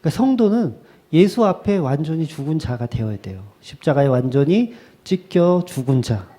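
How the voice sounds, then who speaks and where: A male pastor preaching a sermon in a lively way, slipping into quick acted asides. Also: on the high side.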